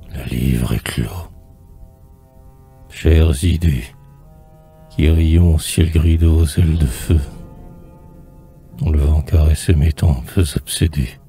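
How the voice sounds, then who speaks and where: Very deep, dark-voiced man reciting poetry. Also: vocal fry, faint music behind. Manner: solemn, theatrical, drawn-out phrases falling to whispers. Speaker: poetry reader.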